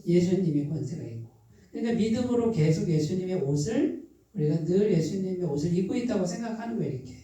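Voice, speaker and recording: A pastor with a Chungcheong accent gives a midweek sermon. The pastor keeps putting questions to the congregation, answers them, and repeats key phrases slowly and softly for emphasis. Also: medium pitch, lively intonation. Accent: Chungcheong Korean. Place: church sanctuary. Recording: very echoey hall, voice from a distance.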